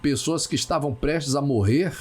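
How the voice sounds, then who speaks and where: A man hosting a casual talk show, who speaks haltingly and repeats words as he searches for them. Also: a little high, a little mellow, breathy edge.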